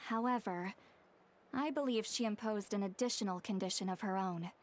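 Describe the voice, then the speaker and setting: A woman playing a composed female warrior in a video game, explaining things in a measured, earnest, articulate way. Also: mid-range voice, soft background music, close to an everyday voice. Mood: thoughtful. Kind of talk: video game character acting.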